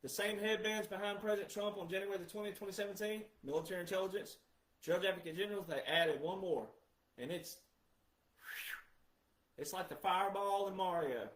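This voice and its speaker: Male commentator, high register, roomy echo; emphatic, repeats key words for stress. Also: brisk, a bit bright. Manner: emphatic, asks rhetorical questions then answers them. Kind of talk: monologue commentary.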